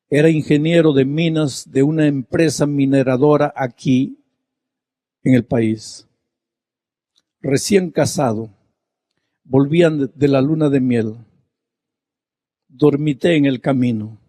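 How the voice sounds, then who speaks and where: A male preacher voicing a broken, grieving middle-aged man who speaks in a quiet, halting, mournful way. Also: mid-range voice, no echo, clean studio sound, lightly acted.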